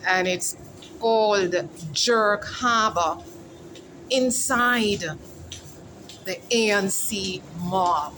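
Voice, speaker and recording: A woman's voice: medium pitch, extremely slow, pauses often, pushed and bright, slight background noise, poor audio. A woman hosting a casual outdoor interview vlog, chatty and calling her viewers "guys". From Jamaica. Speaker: host. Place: outdoors at a mall food court.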